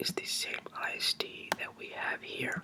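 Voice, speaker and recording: A whispered voice comes through with noticeable noise in the background. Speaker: tech tutorial maker. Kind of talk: ASMR computer tutorial, soft-spoken talk to camera. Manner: soft-spoken.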